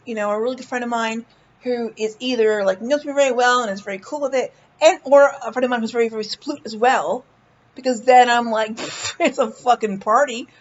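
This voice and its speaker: High-voiced, playful woman rambling in casual vlog. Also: dull audio, a little hiss or hum. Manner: playful, goofy, giggly, swears freely; halting, repeats words while searching for them. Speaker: vlog host. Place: indoors, lying in a hospital bed with a fan running.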